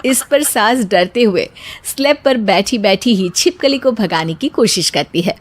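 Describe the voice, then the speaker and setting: A woman giving scripted narration for a cartoon story, steady storytelling. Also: medium pitch, unhurried.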